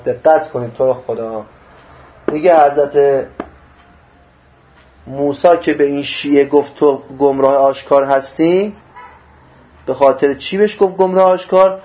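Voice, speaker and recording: A man's voice: on the high side, pauses often. A man giving a religious lesson. He reads passages in Arabic, then explains them in plain Persian, asking rhetorical questions. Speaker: religious teacher. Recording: dull lo-fi recording.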